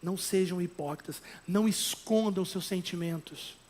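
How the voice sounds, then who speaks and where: A Brazilian man preaching a sermon as pastor, emphatic, with conversational asides and tag questions, at times rising to loud exhortation. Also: high-pitched, normal speed. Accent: Brazilian Portuguese.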